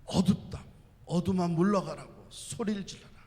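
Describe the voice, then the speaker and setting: A man's voice: high voice, moderate pace, a little mellow, big-room sound, voice pushed up, natural voice. A man voicing a wise old rabbi who gives his students firm instructions in a sermon story. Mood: commanding. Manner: instructing, commanding.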